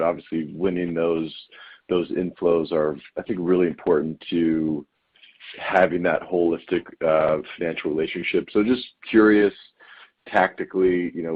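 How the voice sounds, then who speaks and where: Deep-voiced male analyst on a muffled line. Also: slightly rough. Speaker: financial analyst asking questions. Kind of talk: question on an earnings call.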